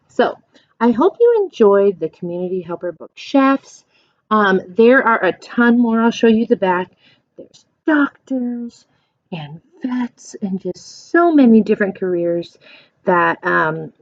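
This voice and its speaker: A woman doing a children's read-aloud as a teacher, explaining things in simple questions and animated, encouraging asides. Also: mid-range voice, no room sound, highs cut off.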